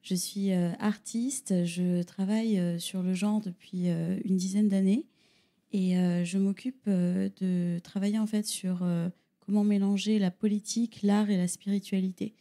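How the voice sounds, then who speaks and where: A woman artist introducing herself in an interview, speaking slowly and haltingly. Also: mid-range voice, flat delivery, warm tone. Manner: slow, halting, many fillers. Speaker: guest, artist.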